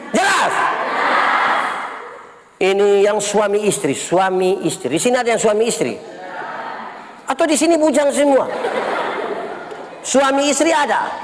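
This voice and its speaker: A male pastor, bantering with his congregation in a lively sermon and acting out little quarrels. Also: high voice, normal speed, pauses often, crowd noise. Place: church hall with congregation. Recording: reverberant hall, noisy congregation.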